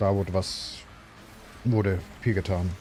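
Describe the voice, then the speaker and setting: With music in the background, a man speaks in fairly even intonation. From Germany. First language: German. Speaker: gaming streamer. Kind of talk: casual live-stream chat with viewers. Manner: halting, with filler words.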